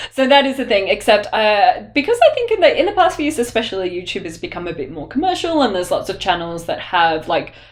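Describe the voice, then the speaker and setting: Through noticeable background noise, a woman with an Australian accent talks at a fairly quick pace in a high pitch with very wide pitch swings. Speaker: science YouTuber. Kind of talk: casual interview chat. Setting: in front of a live audience. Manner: halting, many fillers.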